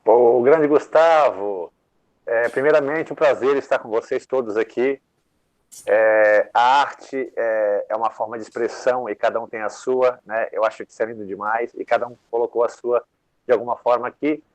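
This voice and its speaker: A man's voice: mid-range voice, steady tone, normal speed, no echo. A man, a songwriter, talking loosely about his work as a guest on a live panel, with lots of fillers. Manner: rambling, many fillers, conversational. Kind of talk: casual interview talk.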